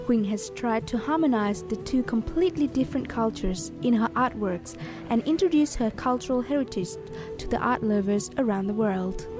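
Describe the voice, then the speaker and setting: Woman reading a news voice-over. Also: fairly high pitch. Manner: even, measured reading. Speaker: news reporter. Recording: voice-over with music bed.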